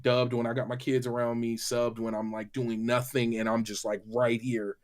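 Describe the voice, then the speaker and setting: A man with a mid-pitched voice talks casually as a gaming show panelist. He speaks in informal slang, often stopping and restarting his sentences as he shares recommendations. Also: little pitch movement, normal speed.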